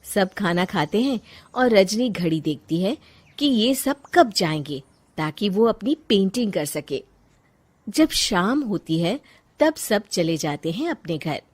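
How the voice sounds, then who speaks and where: A woman's voice: medium pitch, big pitch swings, slow pace. Woman narrating a cartoon story.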